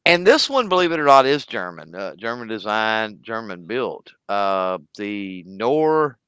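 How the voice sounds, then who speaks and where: East Texan man, podcast co-host, smooth and resonant, dry close sound, rambling chat. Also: on the low side, big pitch swings, unhurried, a bit bright, no room sound. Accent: East Texas. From East Texas. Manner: rambling, self-correcting, spells out names. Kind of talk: casual chat.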